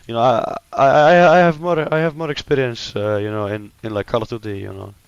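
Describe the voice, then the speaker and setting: A man's voice: mid-range voice, a little fast, clean tone, no echo, highs cut off. A man from Iceland streaming a shooter game, chatting casually with a teammate and playing dumb as a joke. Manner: joking, playing dumb, self-assured banter. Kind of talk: casual gaming chat.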